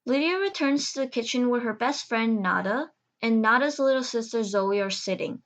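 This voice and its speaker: A woman's voice: fairly high pitch, lively intonation, normal speed. A woman reading scripted narration for an audio drama.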